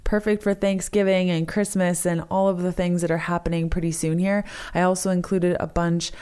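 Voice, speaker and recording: A woman hosting a solo podcast with a hoarse, partly lost voice, talking in an upbeat, enthusiastic way through her intro and sponsor reads. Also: fairly low pitch, flat delivery, a little fast, mellow. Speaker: podcast host.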